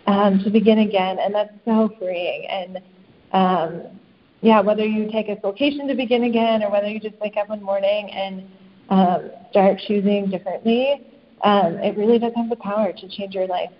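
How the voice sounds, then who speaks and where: Woman guest, mid pitch, thoughtful and hesitant, dull podcast sound. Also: steady tone, normal speed. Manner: reflective, many ums and likes. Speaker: coach and author, guest. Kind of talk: casual interview chat. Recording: slightly dull lo-fi podcast audio.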